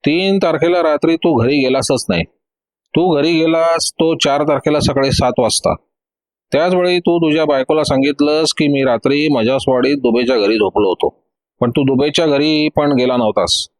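A man doing a stern police inspector, higher pitched. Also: normal speed, dry recording, natural voice. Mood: accusing. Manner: sharp, commanding questioning. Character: stern middle-aged male police inspector interrogating.

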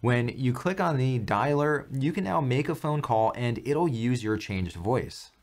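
A man in his thirties presents a how-to software guide. His voice sits at a medium pitch, and he gives each step as a clear instruction. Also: expressive, unhurried. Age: 30s. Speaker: tutorial host. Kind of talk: step-by-step software tutorial narration.

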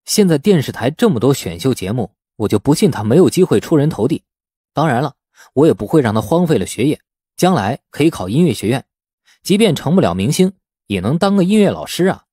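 A man voicing the calm, sensible younger hero of an audiobook, measured and persuasive. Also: mid-range voice, slightly rough, no echo, clean studio sound. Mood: reasoning.

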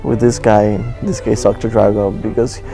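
A man's voice: lowish voice, level tone, moderate pace, gravelly, warm tone, faint music behind. A man in his twenties from Argentina with an Argentine accent, a student musician talking casually in an interview. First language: Spanish. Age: 20s. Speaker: student viola player. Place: indoors in an auditorium.

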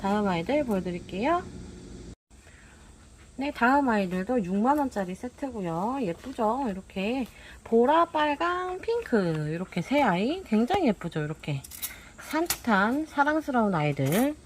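A woman's voice: a little high, sing-song, unhurried, slight background noise. Cheerful woman showing off flower pots. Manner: cheerful, coaxing, keeps asking "pretty, right?". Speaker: pot shop seller. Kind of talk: product showcase talk. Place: indoor pot shop.

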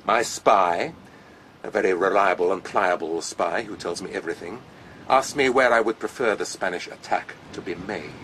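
A haughty aristocratic army officer in a radio play. He is sly and spiteful, drawling with pompous, cool sardonic polish over a noticeable low rumble of background noise. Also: normal speed, fairly bright tone. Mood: coolly menacing. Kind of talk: radio drama acting.

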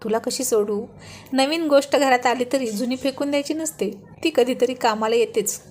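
A woman's voice: high voice, moderate pace, darkish tone, a little hiss or hum, natural voice. A woman reading a storybook, voicing a teasing, playful young husband in a bantering, mock-stern way.

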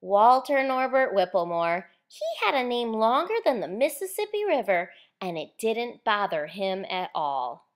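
A woman reads a children's picture book aloud as its author. Her delivery is animated and clearly worded, with very lively swings in pitch. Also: measured pace, hardly any pauses.

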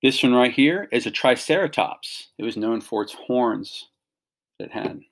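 A man's voice: mid-range voice, animated, unhurried. A middle-aged man giving an instructional read-along for children, explaining and pointing things out in simple phrases. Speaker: teacher reading a picture book aloud to children.

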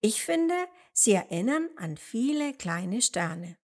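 Woman putting on an excitable, cheerful hare. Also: on the high side, slow pace, heavily acted. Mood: delighted. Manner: exclaiming, enthusiastic.

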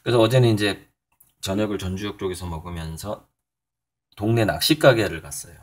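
A middle-aged male painter talking casually in a morning vlog, rambling a little with fillers and soft chuckles. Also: lowish voice, brisk. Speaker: painter and channel host.

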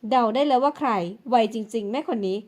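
A woman's voice: fairly high pitch, a little fast, darkish tone, natural voice. A woman voicing a wealthy middle-aged mother who gives firm, instructive advice. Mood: firm, motherly.

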